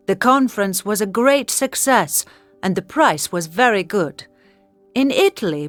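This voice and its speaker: A woman reading scripted accounts for an English listening exercise, in a clear, even narrating manner. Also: medium pitch, no echo. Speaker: textbook audio speaker.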